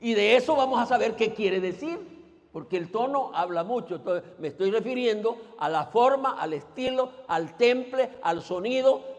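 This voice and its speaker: The voice is a man's, high-pitched and a little mellow. He's a pastor delivering a sermon in the sanctuary, having people repeat his words and asking them questions, all under a long church reverb.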